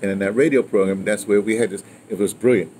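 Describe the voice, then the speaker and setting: Here an American man in his sixties, a guest, chats through his radio past in casual, animated stories that ramble and digress, peppered with "right?" and "you know." His pitch is fairly low and he talks fast. The setting is outdoors by a house with a wooden awning, with clear ambient noise behind him.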